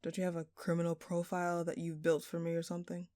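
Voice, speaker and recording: A woman's voice: fairly low pitch, completely flat delivery, fast talker, dark tone, dry recording, studio quality, natural voice. A woman playing a smug, flirtatious jewel thief in an audio roleplay, teasing and theatrical, with playful sarcasm. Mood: feigned innocence. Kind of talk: intimate scripted audio roleplay.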